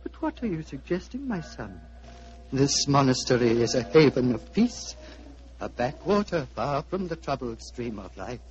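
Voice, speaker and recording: A man playing an elderly, gentle abbot who speaks solemnly and paternally, in 1940s radio drama style heard on an old broadcast recording. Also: medium pitch, very animated, moderate pace. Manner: solemn, paternal, calling others "my son". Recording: dull lo-fi vintage radio broadcast.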